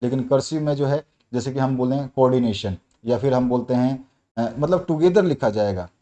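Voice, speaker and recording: A man teaching an exam-prep lesson, explaining patiently with many fillers and reading English questions out slowly. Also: medium pitch, warm tone.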